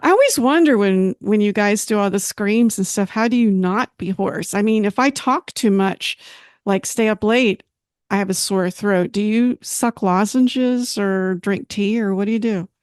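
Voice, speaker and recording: A woman's voice: mid-range voice, normal speed, a little mellow, clear, resonant tone, no room sound, studio quality. A woman interviewing a musician for a music magazine, chatty and enthusiastic, with easy laughter. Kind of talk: casual interview.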